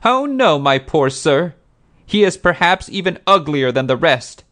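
A man acts out a big, malicious peasant woman from a storybook. The voice is a very high, shrill falsetto that swoops about with wailing melodrama, loud and volatile. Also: big pitch swings, unhurried. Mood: tearful, self-pitying. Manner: wailing, melodramatic, screaming when angered. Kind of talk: acted audiobook character dialogue.

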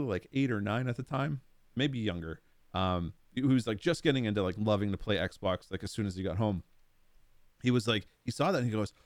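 A man co-hosting a podcast, telling a story in an animated way and laughing often. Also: on the low side, no room sound. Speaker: podcast co-host. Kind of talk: casual storytelling.

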